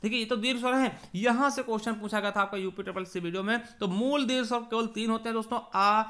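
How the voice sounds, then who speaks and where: High, bright-voiced man teaching Hindi grammar. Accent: Hindi from eastern Uttar Pradesh. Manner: repetitive, asks and answers own questions; addresses listeners as friends, drawn-out examples. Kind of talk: exam-prep grammar lesson.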